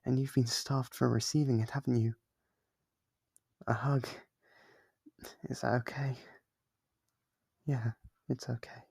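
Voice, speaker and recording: Man voicing a breathy, obsessive lonely demon. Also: medium pitch, little pitch movement, darkish tone, no room sound, clean studio sound, exaggerated voice. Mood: devoted, tender. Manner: intimate, coaxing, hesitant pauses. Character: lonely, devoted, obsessive sealed demon, tender and clingy. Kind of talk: ASMR roleplay monologue.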